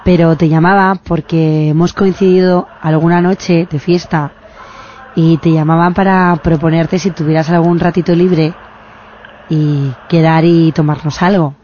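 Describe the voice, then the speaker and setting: A slightly high man coaxing a stranger into a date, dodging each question with soft insistence. The line sounds a little dull, with faint noise behind. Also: flat delivery, a little slow. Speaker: prank caller posing as a young woman asking for a date.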